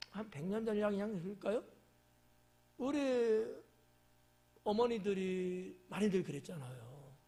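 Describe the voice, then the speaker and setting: Male pastor, high-pitched, talks to the pews like a conversation, playful asides, drops into little acted voices. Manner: conversational preaching, asking the congregation questions; acts out quoted lines in shifting voices. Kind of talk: sermon. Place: church at a Wednesday evening service.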